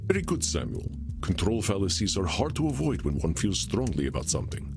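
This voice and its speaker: An actor playing a courtly old vampire therapist in a video game, formal, deliberate and gently probing. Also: male voice, low voice, very animated, gravelly, music in the background, full character voice. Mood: firm, instructive. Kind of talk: video game character dialogue.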